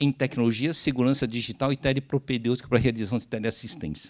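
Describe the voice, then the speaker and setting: At a moderate pace, a man with a medium-pitched voice speaks in a very clean recording with a silent background. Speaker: physician and medical professor. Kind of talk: conference talk.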